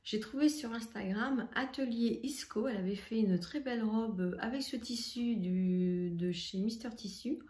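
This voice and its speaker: A woman chatting casually in a sewing haul vlog, enthusiastic, with many hesitant pauses. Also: fairly high pitch, a little mellow, roomy sound. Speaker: sewing vlogger.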